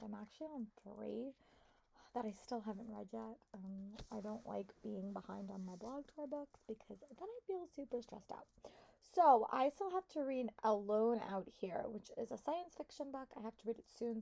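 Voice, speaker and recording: A young woman with a hoarse voice, chatting casually and upbeat to viewers in a reading vlog. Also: a little high, fairly bright tone, slight background noise, low-quality recording. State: hoarse, voice shot. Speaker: book vlogger.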